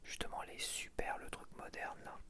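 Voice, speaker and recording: A man whispering gently throughout an ASMR video, chatting and slowly counting aloud as he sorts stickers. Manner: soft unvoiced whisper throughout. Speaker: ASMR creator. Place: home setup with softbox lighting.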